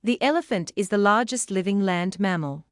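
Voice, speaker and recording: A woman's voice: medium pitch, expressive, moderate pace, no room sound, clean studio sound. A woman reading a scripted informational passage aloud as a practice example. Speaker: read-aloud example reader.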